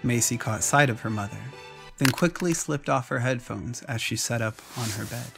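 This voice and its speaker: A man's voice: medium pitch, normal speed, gravelly. Male story narrator over music. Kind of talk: scripted dramatic story narration.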